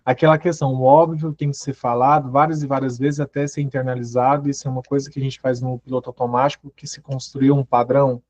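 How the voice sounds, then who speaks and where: A man's voice: medium pitch, flat delivery, fast, hardly any pauses, darkish tone, no echo. A man giving a motivational growth talk, asking the audience question after question. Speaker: personal growth speaker. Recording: dull, muffled audio.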